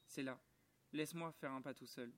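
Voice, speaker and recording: A man reading aloud and speaking the lines of a gentle, earnest little boy prince in a soft, quiet voice close to his own, outdoors in a garden. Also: medium pitch, fairly even intonation, normal speed, slight background noise, natural voice. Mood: tender, sad.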